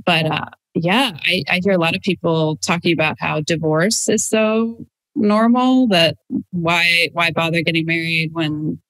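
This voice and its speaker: Reflective woman with a slightly low voice. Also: steady tone, unhurried, a bit bright, dry recording, rough recording. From Denmark. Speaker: psychologist guest, relationship podcaster. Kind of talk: conversational interview answers. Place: home room, indoors. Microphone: video call, wearing headset.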